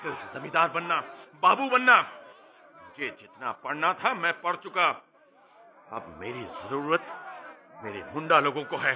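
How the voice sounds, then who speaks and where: An actor playing a defiant, passionate young tribal student in an audio drama, declaiming with conviction. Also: male voice, a little high, dull audio. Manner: impassioned, declamatory.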